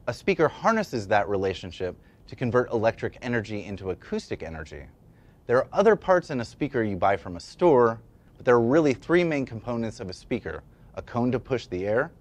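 A man in his thirties giving a scripted explainer as an instructor, with an emphatic, demonstrative delivery. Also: mid-range voice. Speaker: educational presenter and instructor. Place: indoor studio at a demonstration table. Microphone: lapel mic.

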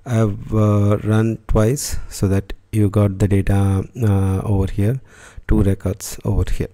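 A man talks through a screen-recorded tutorial at his desk. His voice sits low and sounds soft and mellow. He speaks off the cuff, pausing on fillers and restarting sentences as he clicks along. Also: level tone. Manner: unscripted, frequent fillers and restarts. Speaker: tutorial host.

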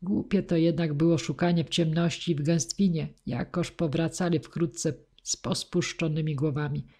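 A woman's voice: deep voice, steady tone, normal speed, warm tone, slightly rough. Woman narrating a classic novel. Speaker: audiobook narrator. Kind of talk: scripted narration.

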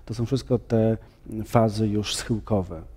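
Priest, 30s, measured and explanatory, dark mellow tone. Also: male voice, lowish voice, fairly even intonation, slightly rough. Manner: measured, explanatory, frequent fillers. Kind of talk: studio interview. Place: bright TV studio, seated on sofa.

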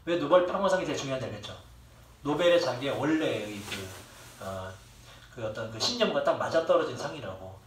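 A man's voice: mid-range voice, lively intonation, fairly quick, slight background noise. A young man teaching a class, who rambles, jokes with his students and swears freely. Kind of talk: classroom lecture. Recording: echoey room, distant mic, faint ambience.

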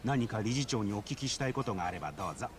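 An actor playing a nerdy, pedantic detective in a video game drama, with grandiose, precise and polite delivery. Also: male voice, on the low side, lively intonation, very fast, a little hiss or hum, natural voice. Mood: cautioning, formal.

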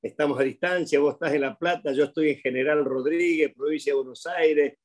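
A man's voice: fairly high pitch, steady tone, brisk. An older man from Corrientes with an Argentine Spanish accent, a pastor talking cheerfully over a video call from home, chuckling and restarting his sentences. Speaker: pastor, guest. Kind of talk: video-call interview, storytelling. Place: home room with plants.

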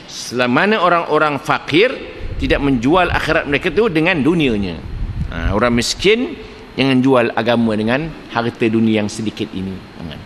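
An older man with a Malaysian Malay accent preaches a lecture, telling stories with an animated rise and fall in his voice. He acts out the dialogue as he goes. The sound carries a long hall reverb with a faint hum of ambience underneath. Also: medium pitch. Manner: lively storytelling, acts out dialogue, chuckles at own jokes. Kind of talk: religious lecture with anecdotes.

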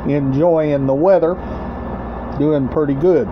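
A middle-aged collection channel host speaks slowly and haltingly in a casual, rambling show-and-tell vlog, his voice on the high side with a steady tone. He uses short broken phrases and repeats himself. He's indoors in a small home room, captured with dull lo-fi webcam-like sound and clear background noise.

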